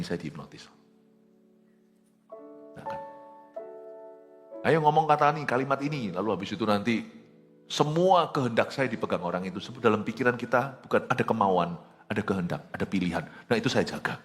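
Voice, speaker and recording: Animated male preacher. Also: medium pitch. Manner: animated preaching with jokes and acted quotes, mixing in English phrases. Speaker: pastor. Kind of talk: sermon.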